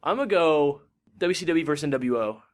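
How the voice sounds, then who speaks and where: A man's voice: fairly high pitch, animated, fairly quick. A man co-hosting a podcast, chatting informally and profanely about video games. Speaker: podcast co-host.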